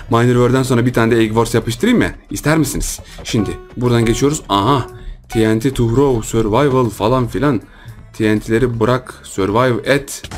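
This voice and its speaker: A gaming YouTuber, an excitable man with a mid-pitched voice, chatters through a Minecraft let's-play, repeating words and teasing the other players while faint music plays quietly underneath.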